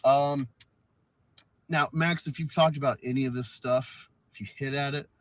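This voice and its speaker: A man's voice: mid-range voice, fairly even intonation, moderate pace, no echo. A man making his case assertively and discursively in an unscripted online debate.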